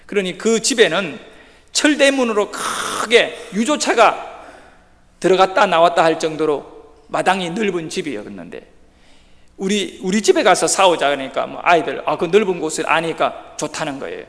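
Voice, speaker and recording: A man preaching an early-morning sermon, telling a personal story in a lively way and acting out what others said. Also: high voice, normal speed. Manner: lively storyteller who acts out quoted speech. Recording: long hall reverb.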